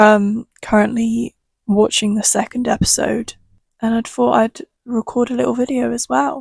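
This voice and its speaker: A woman speaks at a moderate pace in a fairly high, somewhat breathy voice with ordinary pitch variation. The sound is dry and close, with no echo. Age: 20s. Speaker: vlogger. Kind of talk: casual chat. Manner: informal, filler-heavy.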